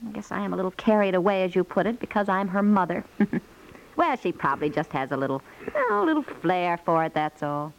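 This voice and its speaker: An actress playing a doting, excitable young wife and proud mother in a 1950s radio domestic comedy, gushing, chatty and coaxing. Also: on the low side, brisk, gravelly, slight background noise. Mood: resigned. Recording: muffled 1950s radio recording.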